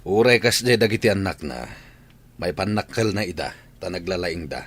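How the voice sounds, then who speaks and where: Calm lecturing husband, low voice. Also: male voice, normal speed. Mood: stern. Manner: calm, admonishing. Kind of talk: Ilocano family drama acting.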